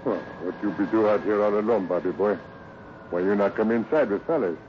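An actor playing a loyal, gentle ranch hand who speaks earnest broken English with a foreign accent in a 1950s radio western. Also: male voice, fairly low pitch, a little fast, close to an everyday voice. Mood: gentle, coaxing. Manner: broken pidgin grammar, earnest and soothing. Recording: muffled, noisy old radio recording.

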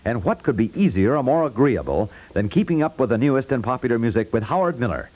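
A man reading a scripted 1950s network radio promo as an announcer, with polished, measured salesmanship. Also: medium pitch, sing-song, a little mellow, low-quality recording.

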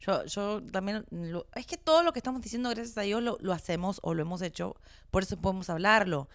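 A woman's voice: medium pitch, brisk, dry recording. Candid woman in a dry close recording. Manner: candid, expressive, laughs easily. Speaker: co-host. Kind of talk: casual couple chat.

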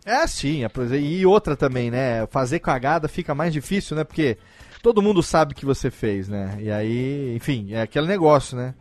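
Um homem apresentando um podcast em conversa descontraída, falando de forma solta, repetindo palavras e rindo com frequência. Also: male voice, medium pitch, lively intonation, normal speed, no room sound. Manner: rambling, repeats words, laughs often. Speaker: podcast host. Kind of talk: casual podcast chat.

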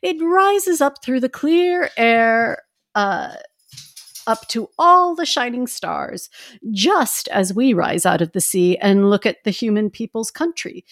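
A woman voicing an ancient, wise grandmother from the sea in a fairy tale read aloud, speaking slowly and solemnly with a lilting old-lady voice. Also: on the high side, no echo, studio quality. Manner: slow, lilting, solemn storybook delivery.

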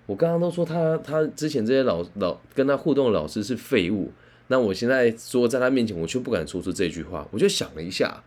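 A man, a career counselor telling a story in an animated, conversational way. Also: medium pitch, quick pace. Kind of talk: storytelling talk.

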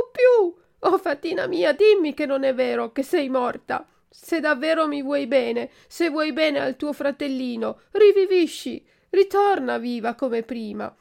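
A wooden puppet boy cries and begs in a shrill, childlike voice, as a woman reader puts him on. He sounds impulsive and quick to tears. There is a gravelly edge under the raised pitch. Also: exaggerated voice. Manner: wailing, pleading, high childlike voice. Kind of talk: storybook reading.

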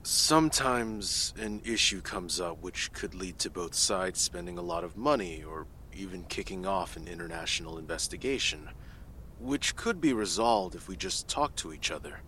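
A man plays a government technical analyst testifying in a very deep voice. He talks casually and offhandedly, like he's chatting. A faint hum sits behind him. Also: normal speed, sharp tone. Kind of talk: audio drama acting.

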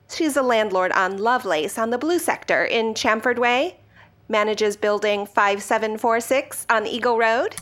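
A woman's voice: fairly high pitch, a bit bright. A woman voicing a prim, officious older woman neighbor in an audio drama, chatty and prissy. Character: prim, nosy older woman neighbor phoning an informant line.

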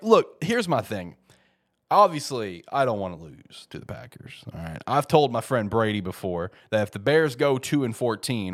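A congested man with a head cold hosting a casual sports talk show, rambling with many fillers and restarts and bursting into emphatic peaks. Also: mid-range voice. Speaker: podcast host.

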